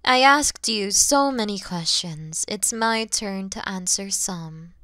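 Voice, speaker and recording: A woman voicing a huge, kind, motherly dragon who is proud and teasing, in an ASMR roleplay, explaining things gently and patiently. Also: mid-range voice, slow pace, dry recording, clean studio sound. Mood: tender, amused. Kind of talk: ASMR audio roleplay addressed to the listener.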